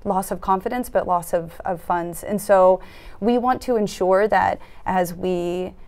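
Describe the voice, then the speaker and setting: A woman in her thirties giving earnest interview answers in a studio, often pausing with fillers and restarting her sentences. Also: mid-range voice, darkish tone. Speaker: foundation program officer, interviewee. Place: dark studio set at a conference.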